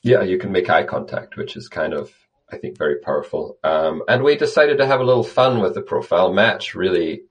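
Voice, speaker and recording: A man's voice: low-pitched, expressive, brisk. A man being interviewed about a conservation project, answering thoughtfully and often restarting his phrases. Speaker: conservation guest.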